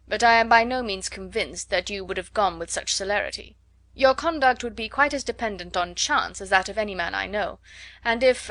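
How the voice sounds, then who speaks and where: A woman voicing a proud, reserved gentleman who answers curtly and reasons coolly. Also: medium pitch, no echo, close to an everyday voice. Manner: curt, measured, coolly reasoning.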